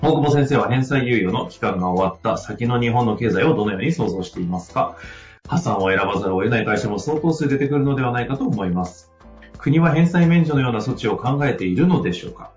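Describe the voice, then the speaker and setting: A man's voice: mid-range voice, expressive, soft background music. A man hosting a podcast, reading listener mail aloud and ribbing his co-host. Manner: quick, playful ribbing. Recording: dull echoey room.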